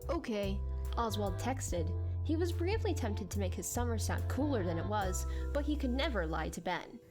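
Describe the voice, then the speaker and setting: A woman's voice: mid-range voice, big pitch swings, moderate pace, music in the background. A woman narrating a story as a scripted audiobook.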